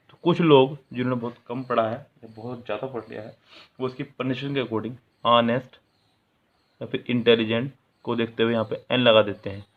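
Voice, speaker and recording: Man teaching grammar over a tinny line. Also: mid-range voice. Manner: asks the viewer questions and answers them himself; explains English in Hindi, reading example sentences aloud. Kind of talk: classroom-style video lesson. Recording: tinny, phone-like sound.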